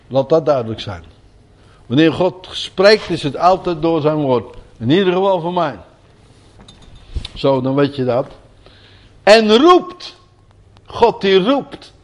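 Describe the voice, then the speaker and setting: An older man preaching a sermon, moving from quiet folksy asides to loud, emphatic repetition of key words. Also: on the high side, animated, a little slow, pauses often.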